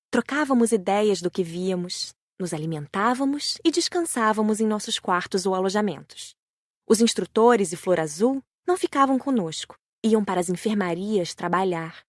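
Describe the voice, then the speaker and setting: Female audiobook narrator, Brazilian accent, medium pitch, very dry studio-like sound. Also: no echo. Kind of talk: scripted narration.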